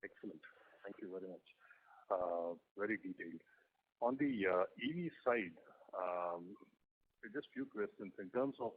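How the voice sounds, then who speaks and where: A man's voice: low-pitched, slightly rough. A man asking questions as an individual investor on a conference call, polite and somewhat hesitant in his phrasing. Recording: tinny phone conference line.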